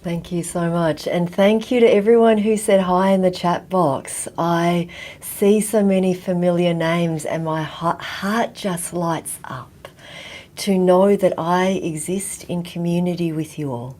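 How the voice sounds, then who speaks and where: A woman from Vietnam, raised in Australia, giving a slow, reflective talk and often dropping to a near whisper. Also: lowish voice, darkish tone. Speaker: guest teacher.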